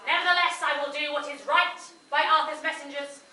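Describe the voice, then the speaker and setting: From far off in a reverberant hall comes a woman acting an ancient talking crow in a comic stage panto. The bird declaims earnestly and grandly in a high, bright voice. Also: steady tone, a little fast. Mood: solemn storytelling. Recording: echoey hall, distant mic, faint noise.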